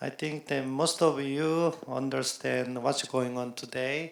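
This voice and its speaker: The man's pitch is fairly high, and he speaks with a Korean accent. His pace is fairly slow, with ordinary pitch variation. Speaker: former defense official. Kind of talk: conference presentation. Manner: halting.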